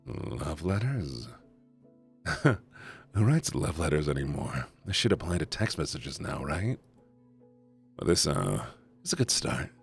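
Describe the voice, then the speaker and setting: A man's voice: a bass voice, sing-song, takes it slowly, creaky, pauses often, faint music behind. A man streaming as he reads a visual novel aloud, swinging between narration and chatty asides to his chat. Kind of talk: live stream reading and reacting.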